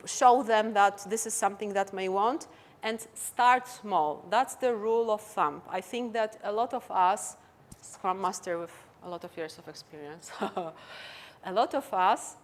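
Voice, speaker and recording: High-voiced Polish woman speaking on stage. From Poland. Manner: animated, conversational, puts questions to listeners. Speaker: conference speaker. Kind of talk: conference talk with audience questions. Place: conference stage.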